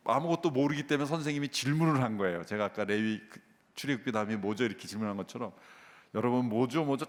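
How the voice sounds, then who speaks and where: A male pastor preaching in a church hall, his voice rising and falling over a wide range. He puts rhetorical questions to the congregation and acts out the voices in his stories, and a long hall reverb trails after his words. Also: medium pitch. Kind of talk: sermon.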